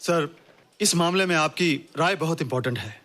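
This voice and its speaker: A man's voice: fairly high pitch, moderate pace, heavy background noise, natural voice. An actor playing a formal, respectful man reporting to his superior. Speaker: caller. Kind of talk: Bollywood film acting. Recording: film soundtrack with faint music.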